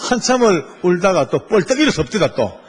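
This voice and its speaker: A middle-aged man, giving an animated sermon testimony in a church. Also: high-pitched, fairly quick, a little hiss or hum. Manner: animated storytelling with Gyeongsang dialect. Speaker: church elder and prison official preaching. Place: church sanctuary.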